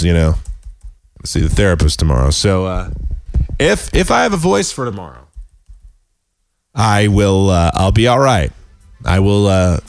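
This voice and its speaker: A man hosting a casual sports podcast, hoarse and sick with a cold, talking in a rambling, self-deprecating way with many halting restarts. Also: on the low side. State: hoarse, losing his voice. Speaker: podcast host.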